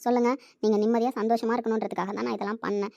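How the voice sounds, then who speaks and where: A woman's voice: fairly high pitch, flat delivery, rapid-fire, vocal fry, warm tone, dry recording, studio quality. A young woman playing a self-sacrificing daughter who pleads with and reassures her father. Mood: pleading. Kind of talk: amateur family drama acting.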